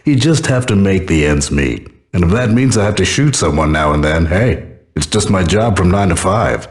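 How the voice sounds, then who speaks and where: A man's voice: low voice, lively intonation, normal speed. An actor playing a chatty, wry hired gunman in a video game, talking like an ordinary working stiff. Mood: earnest, self-justifying. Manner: conversational, wry.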